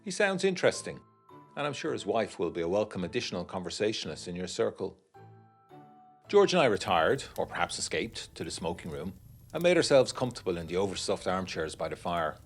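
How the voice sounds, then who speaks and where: A man's voice: low voice, big pitch swings, brisk, slightly rough, faint music behind, exaggerated voice. An actor playing a genteel, uneasy young war veteran narrating his letters in a literary, wryly confiding way for a gothic period audiodrama.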